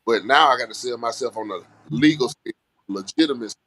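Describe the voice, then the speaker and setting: A man's voice: medium pitch, brisk, a bit bright, low-quality recording. A man from Alabama with a Southern Black American accent, chatting casually and earnestly in a folksy way as an interview guest. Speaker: music artist guest.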